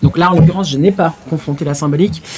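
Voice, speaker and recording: There is noticeable background noise. Through it, a woman talks at a fairly low pitch. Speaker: podcast host. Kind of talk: casual chat.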